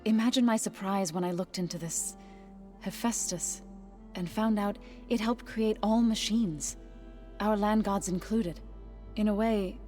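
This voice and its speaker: A woman playing a gentle, devout tribal healer in a game cutscene, measured and earnest with formal phrasing. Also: medium pitch, natural voice. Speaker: video game companion character. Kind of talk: naturalistic game cutscene acting. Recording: music behind the voice.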